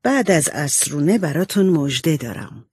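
A loving mother of four daughters, as a woman acts her out, speaking in a warm, reassuring tone. The voice is close and dry, with a lively rise and fall. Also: sits low, husky, no room sound, heavily acted. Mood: tender.

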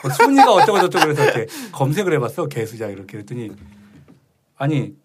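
A man's voice: mid-range voice, big pitch swings, fast talker, crowd noise. A man co-hosting a podcast in casual chat, with a short-tongued lisp and imprecise articulation. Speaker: podcast co-host.

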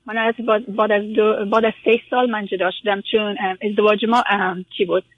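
A woman's voice: medium pitch, little pitch movement, no room sound, narrow, tinny audio. Hesitant woman caller. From Afghanistan. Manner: hesitant, many fillers, mixes in English words.

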